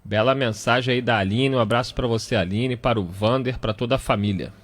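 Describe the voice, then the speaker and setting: A man's voice: medium pitch, fairly quick. A Brazilian man with a Brazilian Portuguese accent hosting a radio talk show, reading out and greeting listener messages. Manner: warm greetings to listeners, reads messages aloud. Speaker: radio host.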